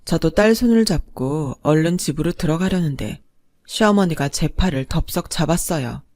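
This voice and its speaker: A woman narrating a personal story in the first person, calm and subdued. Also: low voice, normal speed, no echo.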